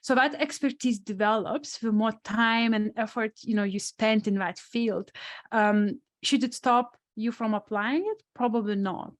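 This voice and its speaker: A woman's voice: on the high side, unhurried. A woman with a strong non-native accent, a sports psychologist answering questions on a webinar panel in a thoughtful, restarting way. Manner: thoughtful, many restarts and asides.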